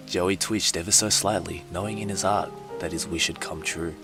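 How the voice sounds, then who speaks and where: A man's voice: low voice, steady tone, normal speed. A man giving a hammy, mock-dramatic comedic reading of fan fiction as narrator, with music behind him.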